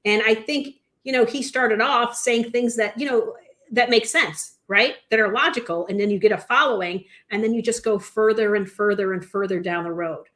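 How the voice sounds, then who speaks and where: A woman's voice: a little high, moderate pace, a bit bright. Chatty woman co-host, conversational. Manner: conversational, uses "you know" and "right". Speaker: podcast co-host. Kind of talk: casual news chat.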